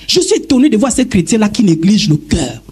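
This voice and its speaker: A man preaching a sermon, emphatic and addressing listeners directly, with a husky voice. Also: high voice, big pitch swings, quick pace, darkish tone. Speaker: pastor.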